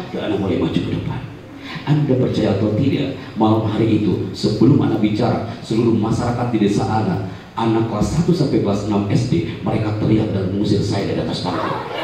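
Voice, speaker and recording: Animated male seminar speaker, echoey hall. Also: high-pitched, slight background noise. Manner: animated, dramatic storytelling. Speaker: motivational speaker. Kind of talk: storytelling seminar talk. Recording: echoey hall, distant mic.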